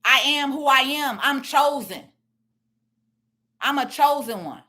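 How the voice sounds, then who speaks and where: Loud, confident woman with a bright voice. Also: sits high, slow. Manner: confident, emphatic, plain-spoken. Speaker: tax and business strategist. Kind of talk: blunt social media commentary.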